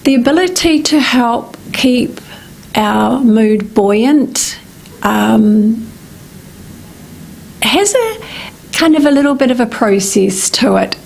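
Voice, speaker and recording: Woman, middle-aged, from New Zealand, croaky, fairly high voice, very slow, rambling with ums, radio life coach. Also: animated, darkish tone, slight background noise, poor audio. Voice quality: slightly croaky voice. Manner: slow, meandering, with many ums and restarts. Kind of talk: casual radio talk segment.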